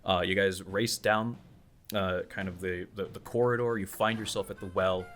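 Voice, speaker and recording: A man narrating a tabletop roleplaying game as game master, improvising in a halting, conversational way as he thinks aloud. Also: deep voice, fairly even intonation, fairly bright tone. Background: music.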